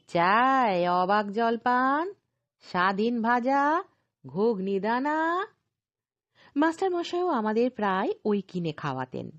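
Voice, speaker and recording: A woman's voice: a little high, a little mellow, no echo. A woman narrating an audio story expressively, acting out the dialogue. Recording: slightly dull, lo-fi recording.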